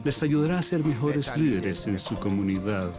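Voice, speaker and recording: A man's voice: medium pitch, expressive, moderate pace, over music. A man speaking earnestly and heartfelt in an interview. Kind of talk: interview remarks.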